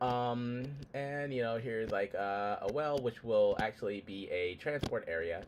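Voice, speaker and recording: With ordinary pitch variation, a man speaks in a medium pitch. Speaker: game developer streamer. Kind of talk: devlog livestream. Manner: fast.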